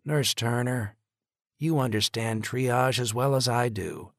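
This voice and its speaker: A man voicing a weary male doctor who speaks in a tired, cold, measured way. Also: mid-range voice, fairly bright tone, dry recording, clean studio sound, voice pushed up. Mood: grim.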